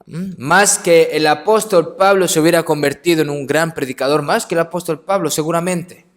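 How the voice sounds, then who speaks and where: Guy giving a sermon, kinda high voice, chatty, keeps adding little "right?" tags. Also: normal speed. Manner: conversational preaching with frequent questioning tags. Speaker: preacher.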